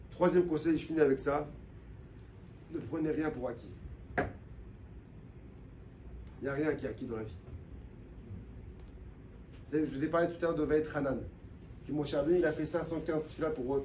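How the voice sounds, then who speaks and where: Male rabbi preaching with fervor and repetition; high voice in a reverberant hall. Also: recorded from a distance, a little hiss or hum. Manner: impassioned, swings from low and quiet to loud and high; addresses the listeners directly, repeats phrases for emphasis. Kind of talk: sermon. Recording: echoey room with faint background ambience.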